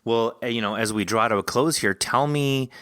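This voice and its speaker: A man's voice: mid-range voice, normal speed, fairly bright tone, smooth, no echo, clean studio sound. A man hosting a casual interview, speaking effusively and with enthusiasm. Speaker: podcast host.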